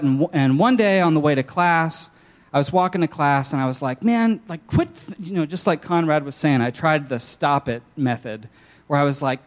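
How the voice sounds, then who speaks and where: A young man casually sharing a personal testimony, candid, with plenty of fillers and restarts. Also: a little high.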